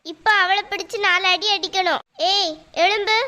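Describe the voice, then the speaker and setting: A woman's voice: very high-pitched, steady tone, moderate pace, sharp tone. A woman voicing a quarrelsome, pushy mother in a cartoon, talking in a bossy, demanding way. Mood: angry. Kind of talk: cartoon voice acting.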